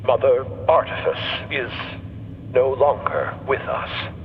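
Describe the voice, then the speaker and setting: A man's voice: medium pitch, very animated, takes it slowly, in a large hall, dull audio, a little hiss or hum. A man playing a curt, guarded professor explorer with formal, articulate diction in an audio drama. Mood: evasive, uneasy. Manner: formal, clipped, evasive. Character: male professor explorer with a mind in a machine body, guarded, curt. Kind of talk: audio fiction podcast acting.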